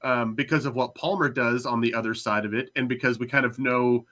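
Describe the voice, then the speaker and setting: A man in a casual panel discussion, hedging and repeating himself as he thinks out loud. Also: medium pitch, fairly even intonation, fairly quick. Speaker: panelist on a podcast discussion show.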